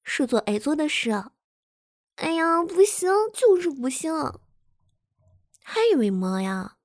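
A woman's voice: high-pitched, big pitch swings, measured pace, no echo, clean studio sound. A woman playing a bratty teasing girlfriend. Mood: coy protest. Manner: coy and teasing, whiny pouting. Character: playful, bratty young girlfriend, teasing and pouting. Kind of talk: audio role-play drama.

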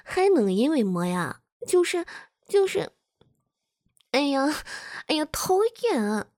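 Woman playing a bratty young girlfriend: high, lively, coy and whiny, unhurried delivery. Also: no room sound, clean studio sound, exaggerated voice. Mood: coy protest. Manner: coy and teasing, whiny pouting. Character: playful, bratty young girlfriend, teasing and pouting. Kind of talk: audio role-play drama.

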